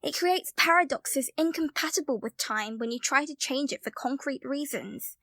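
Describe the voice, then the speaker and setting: A woman acting a blunt, suspicious, sharp-tongued young woman in an audio drama. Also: high-pitched, expressive, normal speed, no room sound, clean studio sound, exaggerated voice. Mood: explaining.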